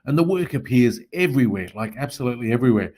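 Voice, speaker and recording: A man's voice: medium pitch, animated, fast, a little mellow. An Australian man, an interview guest, telling stories about his work in a casual, modest way. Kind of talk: casual conversational storytelling.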